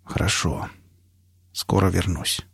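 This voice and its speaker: A man voicing a grim, dying male stalker who speaks hoarsely and with effort in an audiobook. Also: sits low, fairly even intonation, normal speed, no room sound, clean studio sound, full character voice. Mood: strained, weary. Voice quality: hoarse, strained.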